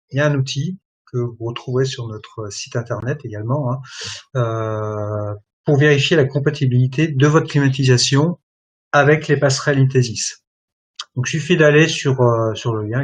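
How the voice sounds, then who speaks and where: Husky man, halting webinar demo. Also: medium pitch. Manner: hesitant, many fillers like voilà and hein. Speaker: product presenter.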